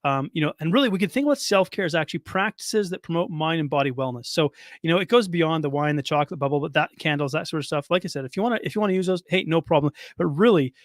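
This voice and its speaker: A hoarse man hosting his own solo podcast as a nutrition coach, talking casually with lots of fillers and restarts. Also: on the high side, quick pace, no echo, clean studio sound.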